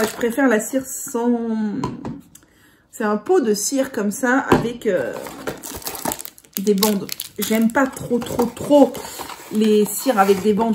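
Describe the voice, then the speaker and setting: A woman's voice: on the high side, darkish tone, a little hiss or hum. A woman vlogger chatting casually about products, rambling with many hesitations.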